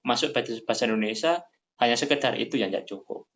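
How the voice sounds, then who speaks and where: Man, casual religious study chat, animated, muffled lo-fi sound. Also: fast. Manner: animated, rises high when quoting. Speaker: study session host. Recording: dull lo-fi sound.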